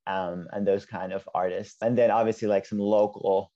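Finnish male guest, 20s, native Finnish speaker; relaxed casual talker, dark tone, lo-fi call audio. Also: lowish voice, normal speed. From Finland. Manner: relaxed, lots of like and you know. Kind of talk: casual interview chat. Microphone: earbud mic on a video call. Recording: dull lo-fi video call audio.

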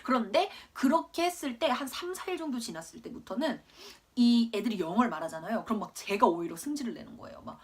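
A woman's voice: a little high, animated, fast, husky. A woman in her twenties who grew up in Australia, telling a rambling, self-mocking story while teaching English. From Korea, raised in Australia. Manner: chatty, rambling, laughs at herself. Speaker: English tutor. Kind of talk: casual storytelling in a lesson video.

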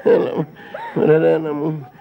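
A man's voice: on the high side, completely flat delivery, creaky. An actor playing a battered, whiny husband who sulks in pain and pleads with his wife, in a TV sitcom. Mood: pleading. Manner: plaintive and pleading, with sudden yelps of pain. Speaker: actor in a TV comedy series. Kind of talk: sitcom acting. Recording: dull broadcast audio with background noise.

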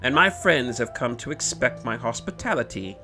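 A man's voice: medium pitch, animated, normal speed, pushed and bright, soft background music, voice pushed up. A man voicing a selfish, vain young baron in a storybook tale, haughty and easily indignant. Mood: dismissive.

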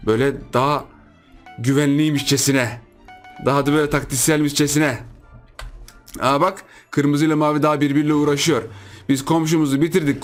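A man giving casual, playful commentary as he plays a video game, teasing the other players and chatting with his viewers. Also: fairly high pitch. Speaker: gaming YouTuber. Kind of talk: casual let's-play commentary.

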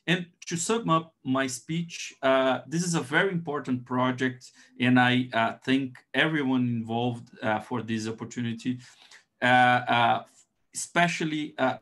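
A man with a Brazilian accent and Portuguese as his first language, presenting slides on a video call as an academic, in a hesitant, halting way. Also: mid-range voice, a bit bright.

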